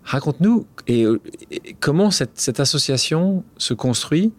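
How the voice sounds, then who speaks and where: A man's voice: on the high side, animated, measured pace. Rambling casual podcast host, man. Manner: informal, rambling questions with restarts. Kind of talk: casual interview questions.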